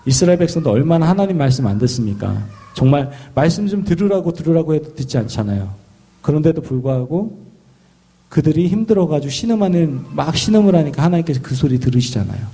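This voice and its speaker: A pastor from Seoul preaching a sermon in a lively storytelling way, often asking the congregation questions. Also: male voice, a little high, breathy edge. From Seoul, South Korea.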